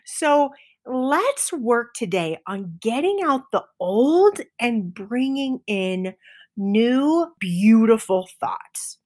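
A middle-aged woman hosting a motivational podcast, enthusiastic, sometimes dropping to a soft whisper for emphasis. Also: on the high side, very animated, very slow. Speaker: podcast host.

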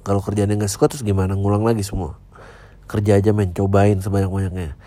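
A man's voice: fairly low pitch, level tone, quick pace, mellow. A man, hosting a podcast and answering listener emails in blunt, offhand, slangy replies. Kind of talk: casual podcast chat.

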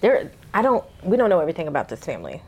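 A woman therapist with an African American accent, talking things through in a reflective, measured way during a casual reaction chat. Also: low voice, huge pitch swings, darkish tone, husky. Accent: African American English. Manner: reflective, slow and measured, drops into playful scolding. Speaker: therapist, co-host.

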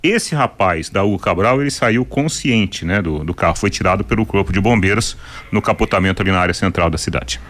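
A man's voice: sits low, brisk, a bit bright. A Brazilian man giving a conversational live news update as a radio reporter.

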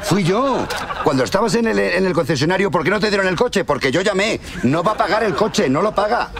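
A man's voice: high voice, lively intonation, fairly quick, creaky. A Spanish man on a radio show, laughing as he teases and trades mock insults in a comic sketch. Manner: teasing, laughing while trading insults. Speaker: radio host.

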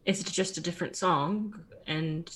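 A woman's voice: on the low side, normal speed, a bit bright, slight background noise. A woman player in a casual tabletop game chat, rambling and laughing as she explains.

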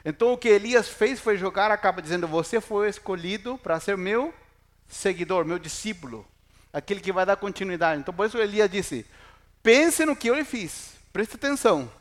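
A man's voice: sits high, lively intonation, fairly quick. A middle-aged man preaching in Portuguese, a pastor who jokes with the congregation and asks them questions. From Chile. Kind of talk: sermon.

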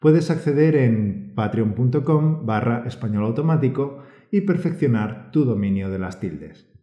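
A man co-hosting a scripted teaching podcast. He explains calmly and encourages the listener. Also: mid-range voice, a little slow, dull audio. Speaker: podcast co-host and Spanish teacher. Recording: roomy echo.

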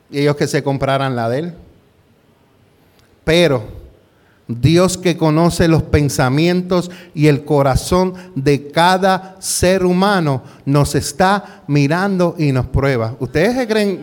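Here the male pastor sounds somewhat high-voiced as he gives a chatty sermon built on a personal story. His talk is sprinkled with rhetorical questions and "¿verdad?", and English words slip into his Spanish.

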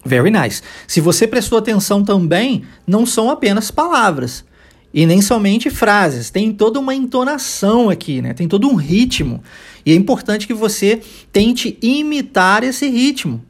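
A man with a Brazilian Portuguese accent teaching an English lesson, explaining patiently and modeling phrases slowly for his students to repeat. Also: sits high, big pitch swings.

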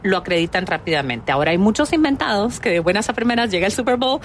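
A woman's voice: mid-range voice, animated, fast, slight background noise. Friendly woman from Guatemala explaining. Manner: friendly and explanatory, laughs easily. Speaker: host committee spokesperson. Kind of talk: studio interview guest.

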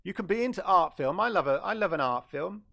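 A man's voice: high voice, expressive, a little fast, creaky, fairly bright tone. A middle-aged man hosting a casual gaming livestream, chatting loosely and often correcting himself. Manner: rambling, chatty, self-correcting. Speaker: gaming channel host.

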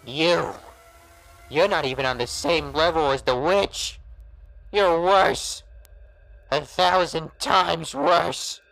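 An actor playing a monstrous transformed old pal in a noir horror audio drama, taunting and warning in drawn-out, insinuating gangster slang. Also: male voice, a little high, creaky, a bit bright, no room sound, full character voice, rough recording. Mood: taunting, ominous.

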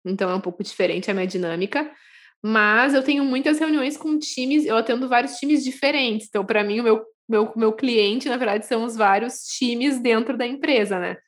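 A young woman from Brazil, talking in a casual podcast chat. Her voice sits fairly high. She tells stories animatedly, laughing and restarting her phrases often. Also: moderate pace. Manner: animated storytelling, frequent laughs and self-corrections. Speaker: podcast guest.

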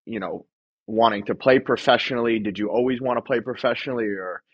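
A man's voice: medium pitch, brisk, husky, dull audio. A man hosting a podcast interview, asking rambling questions with lots of fillers and restarts. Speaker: podcast host.

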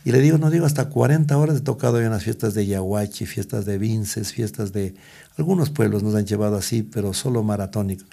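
A man's voice: fairly low pitch, fairly even intonation, brisk, vocal fry, dark tone, husky. A middle-aged man, telling stories as an interview guest, rambling with many restarts. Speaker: guest musician. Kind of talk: storytelling interview.

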